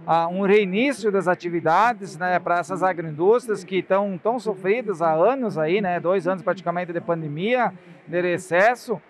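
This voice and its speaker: A middle-aged man giving an earnest interview answer into a handheld mic, with hesitant pauses. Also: sits high. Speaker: farmers' association representative.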